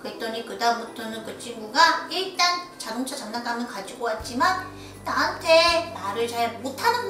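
A woman voicing a cheerful child character who tells a story to young viewers. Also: high voice. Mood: puzzled. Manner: chatty storytelling, bright and animated. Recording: echoey room, from a distance, soft music.

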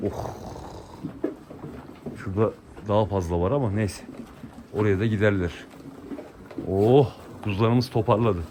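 A man's voice: fairly low pitch, steady tone, normal speed, background noise. A man casually chatting to viewers in a vlog, talking fondly to his animals outdoors by a livestock pen. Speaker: vlogger raising lambs.

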